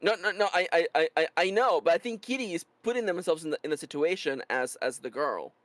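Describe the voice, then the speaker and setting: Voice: medium pitch, expressive, fast talker, fairly bright tone, dry recording. A streamer who is not a native English speaker, with a slight Californian accent, chatting casually, reading out chat and often restarting words. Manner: stammering restarts, reads chat aloud. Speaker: streamer co-host.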